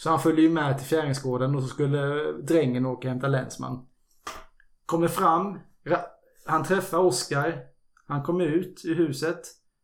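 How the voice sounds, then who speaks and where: A man speaks at a moderate pace and a fairly high pitch, his intonation fairly even. Long, frequent pauses break up his speech, and the room echo is audible. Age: 30s. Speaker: podcast co-host. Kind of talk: casual chat.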